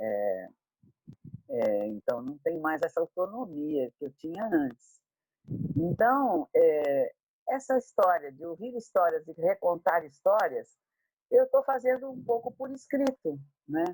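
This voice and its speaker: Very slow and broken by long, frequent pauses, a woman's fairly low voice shows very wide pitch swings and big swings in loudness, with a dry, close sound that has no echo. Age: 70s. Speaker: novelist. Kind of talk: informal talk introducing her book. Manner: halting, with many repetitions and fillers.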